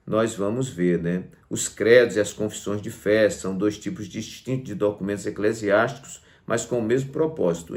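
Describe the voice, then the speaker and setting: Male pastor, lowish voice, didactic Bible teacher stressing key words for online students. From Brazil. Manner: didactic, emphatic on key words, often seeks agreement with tag questions. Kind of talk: Bible lesson to online viewers.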